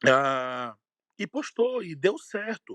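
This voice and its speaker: With lively intonation, a man speaks in a dry, close sound with no echo. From Maranhão, Brazil (São Luís). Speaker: chef and cooking YouTuber. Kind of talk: casual podcast interview. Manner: animated.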